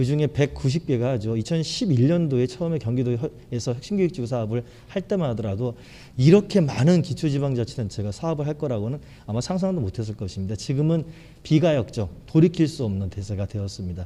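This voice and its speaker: At a fairly quick pace, a man with a medium pitch and a dark, mellow, somewhat breathy tone makes very wide pitch swings. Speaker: education policy official. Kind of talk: forum presentation. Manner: fast.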